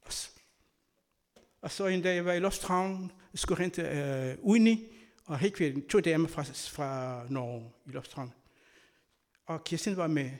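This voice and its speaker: A man giving an earnest sermon, telling personal stories and moving between loud and soft delivery. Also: a little high, pauses often. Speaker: church speaker; school worker.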